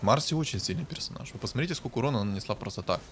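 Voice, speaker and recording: A man casually commenting on a strategy game as a streamer, thinking aloud and breaking into bursts of excitement. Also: mid-range voice, very fast, slight background noise. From Ukraine.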